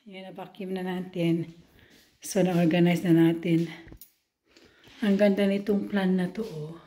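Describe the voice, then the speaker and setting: A woman's voice: lowish voice, flat delivery, unhurried, dark tone, echoey room. A woman from the Philippines with a Filipino accent, chatting casually to viewers while she works as a nanny, filmed on a handheld camera. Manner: chatty, addresses viewers as friends. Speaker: vlogger and nanny. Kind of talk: casual vlog chat. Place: house and garden, indoors and out. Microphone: handheld compact camera.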